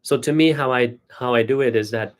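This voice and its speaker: A man's voice: mid-range voice, brisk. A man with a Thai accent, a native Thai speaker, explaining things as a doctor hosting a casual Q&A. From Thailand. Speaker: doctor and live-stream host.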